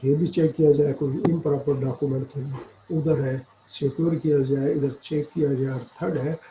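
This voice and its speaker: A man's voice: a little high, fairly even intonation, moderate pace, dark tone, slight background noise, poor audio. A man with a South Asian accent lecturing on law, reading formal text and explaining it in plain terms.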